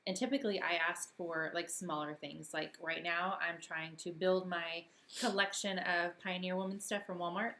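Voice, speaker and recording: A woman's voice: fairly low pitch, normal speed. A woman in her thirties, chatting casually on a family live stream, slightly losing her voice. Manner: chatty, relaxed, laughs easily.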